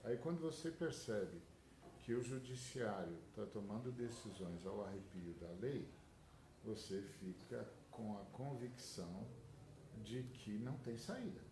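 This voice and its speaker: A man speaking as a pastor, addressing a group in measured, preaching phrases with pauses. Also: on the low side, lively intonation. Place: indoor room. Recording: echoey room, faint noise.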